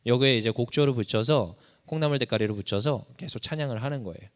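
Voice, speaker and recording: A man's voice: mid-range voice, fast talker. A man preaching a sermon as pastor, impassioned, his voice climbing sharply whenever he cries out a prayer. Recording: long reverb of a church hall.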